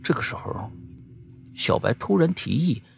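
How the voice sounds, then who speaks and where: Gravelly man telling a spooky story. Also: mid-range voice, measured pace, slight background noise. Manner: lively storytelling with offhand asides.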